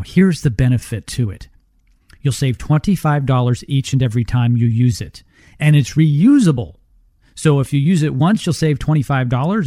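A middle-aged man hosting radio in an infomercial-style sales pitch, asking rhetorical questions and repeating details for the listener. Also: dark tone, dry recording, studio quality. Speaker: radio show host and ad reader. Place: radio studio.

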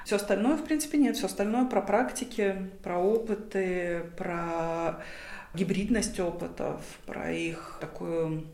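A woman's voice: lowish voice, measured pace, a little mellow. A woman talking as an academic guest, thoughtful and hesitant, with many fillers and restarts. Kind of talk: reflective interview answers. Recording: roomy echo.

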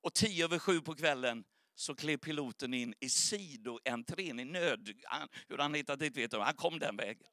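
High, bright-voiced male preacher. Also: expressive, hardly any pauses, no room sound, clean studio sound. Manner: emotional, earnest testimony. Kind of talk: sermon storytelling.

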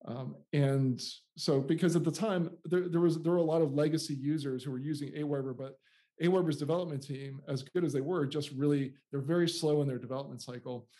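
A man's voice: a little high, fairly even intonation, a little fast, mellow. A man in his forties with an American accent, telling his story as an interview guest and often repeating and restarting words. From United States. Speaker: guest, software founder.

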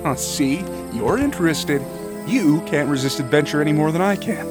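A man's voice: fairly high pitch, lively intonation, normal speed, over music, close to an everyday voice. A man playing a cocky, easygoing treasure hunter in an adventure audio drama, breezy and joking. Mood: smug.

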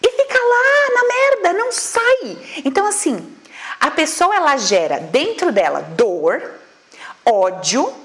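A woman teaching a class as a therapist, blunt and emphatic, firing off rhetorical questions and swearing casually. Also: high-pitched. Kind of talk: spirited lecture to an audience.

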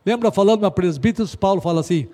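A middle-aged man with a Brazilian Portuguese accent preaching a sermon as a pastor, emphatic and exhorting, swinging between loud stresses and quiet asides. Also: high voice, quick pace. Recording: long hall reverb.

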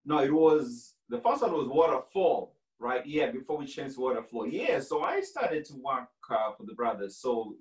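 A man in his forties, originally from Kenya, telling his story as a guest in a relaxed, rambling podcast conversation. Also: medium pitch, moderate pace, hardly any pauses, reverberant, distant mic, low-quality recording. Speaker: franchise owner guest.

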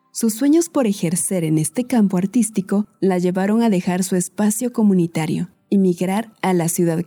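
A woman, narrating a documentary podcast as its host in a calm, measured way. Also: fairly low pitch.

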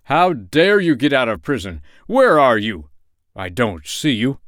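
A man's voice: sits low, steady tone, moderate pace, fairly bright tone, smooth, dry recording, clean studio sound. A man voicing an indignant, imperious king in a children's storybook, giving stern commands. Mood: angry, startled.

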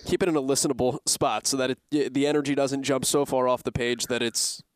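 Male interviewer, mid-pitched smooth voice, casual questioning, rethinks his wording as he goes. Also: fairly even intonation, fairly quick, no echo. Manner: thinks aloud, rewords questions midway.

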